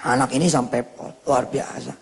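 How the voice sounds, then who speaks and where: A man's voice: medium pitch, a little fast, gravelly, husky. A man preaching a storytelling sermon, acting out the dialogue as he tells the story. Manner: lively storyteller who acts out the dialogue. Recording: reverberant hall sound.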